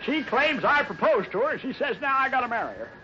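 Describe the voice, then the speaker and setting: An actor playing a flustered, gullible cowboy bachelor with a rural Western American accent, stammering in folksy 1950s comic radio style. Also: male voice, very high voice, big pitch swings, quick pace. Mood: indignant. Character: bumbling, flustered cowboy bachelor, gullible tall-tale teller. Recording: dull, slightly noisy 1950s radio recording.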